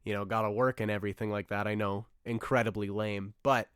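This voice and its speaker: A young man rambling through a solo podcast episode, rushing into excited bursts and trailing off into asides. His voice sits in a middle pitch with a smooth, resonant core, though it has gone a little rough. The sound is dry and close, with no room around it. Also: no echo. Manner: enthusiastic, rambling, with frequent fillers and asides. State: slightly rough, losing his voice. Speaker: podcast host.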